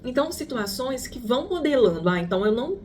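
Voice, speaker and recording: A woman's voice: a little high, big pitch swings, quick pace, darkish tone, a little hiss or hum. A woman psychologist with a Brazilian Portuguese accent, teaching an online lesson conversationally, calling the listener her friend and asking rhetorical questions.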